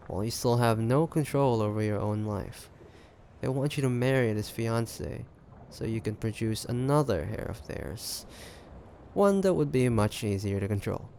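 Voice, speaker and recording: A man performs a shrewd, ambitious pirate captain in an intimate audio drama. His voice is low and gravelly, and he speaks slowly and deliberately, smug and conspiratorial as he taunts the listener. A faint ambient noise sits behind him. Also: a little mellow. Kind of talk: roleplay audio drama monologue addressed to listener.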